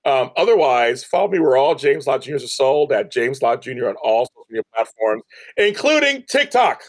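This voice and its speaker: Animated middle-aged man, chatting expressively. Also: medium pitch, brisk, no echo. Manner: animated, talkative, self-promoting. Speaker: podcast guest, online media network owner. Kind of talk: casual chat.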